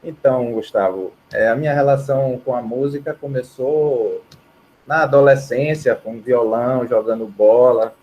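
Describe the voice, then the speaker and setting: A man's voice: mid-range voice, moderate pace, muffled recording. A man from Bahia, telling stories casually as a musician guest in an interview. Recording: clear steady background noise.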